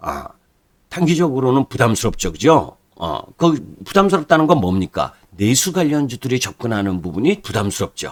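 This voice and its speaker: Vocal fry and very wide pitch swings mark this voice, delivered at a moderate pace. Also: man, medium pitch for a man. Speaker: stock market commentator. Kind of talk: market commentary monologue. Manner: halting.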